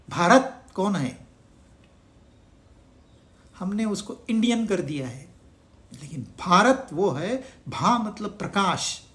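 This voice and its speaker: Spiritual teacher, unhurried, lively melody, rhetorical questions, scripture talk. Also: mid-range voice. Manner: asks the listeners rhetorical questions; mixes in English words. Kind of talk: Hindi discourse on scripture.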